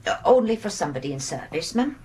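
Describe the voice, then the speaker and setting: A woman's voice: lowish voice, sing-song, fast, echoey room, noisy background. An actress playing a deferential, hesitant Welsh housekeeper in a radio drama, evasive and reluctant in her answers. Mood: guarded, reluctant.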